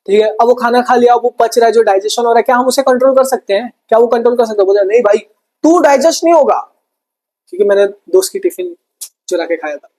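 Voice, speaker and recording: A man's voice: sits high, darkish tone, low-quality recording. A young man teaching an exam-prep science lesson, chatty, calling students brother and repeating key terms.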